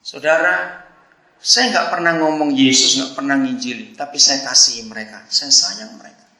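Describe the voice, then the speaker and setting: A man's voice: mid-range voice, normal speed, heavy reverb, poor audio. An older man preaching a sermon, telling stories with laughter and acting out the voices in quoted lines. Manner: animated storytelling with laughs and acted quotes. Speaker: pastor.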